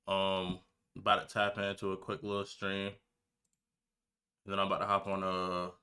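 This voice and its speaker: A nineteen-year-old livestreamer, gamer and reaction video creator chats casually and slangily with his viewers while setting up, sounding laid-back. His voice is deep with a fairly bright tone.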